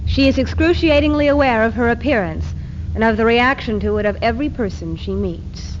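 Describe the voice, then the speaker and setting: A high-pitched, defiant feminist woman, acted by a woman recites with declamatory emphasis in readers theater. The old archive recording is muffled, with faint hiss. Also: fairly quick, close to an everyday voice. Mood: grave, indignant.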